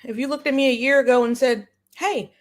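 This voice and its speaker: A woman's voice: high-pitched, steady tone, fairly quick. A woman hosting a live stream in casual reaction chat, informal and slangy, often saying y'all. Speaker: live-stream host and commentator.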